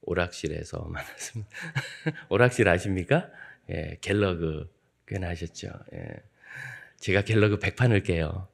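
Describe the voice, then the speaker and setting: A man in his fifties, a guest pastor preaching at a dawn church service, telling joking stories from his childhood in a lively way. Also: sits low, moderate pace, gravelly. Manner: lively, joking anecdotal storytelling. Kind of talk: sermon with humorous storytelling.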